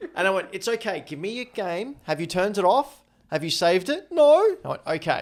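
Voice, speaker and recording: The speaker has an Australian accent and a fairly quick pace. The intonation is lively. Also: man, high pitch for a man. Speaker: podcast co-host. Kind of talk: casual chat.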